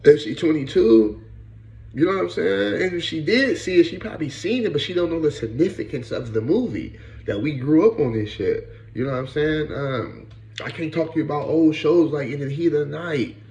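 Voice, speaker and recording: A man's voice: a little high, lively intonation, fairly quick, creaky, a little mellow, reverberant, rough recording. A man in his late thirties giving blunt, profane casual commentary and often repeating "bro" and "you know what I'm saying.". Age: 30s. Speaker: podcast host.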